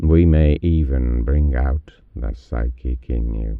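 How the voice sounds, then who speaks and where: A man puts on a character voice with a very deep, low pitch. He talks at a fairly slow pace with ordinary pitch variation. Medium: read story. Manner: controlled, purposeful.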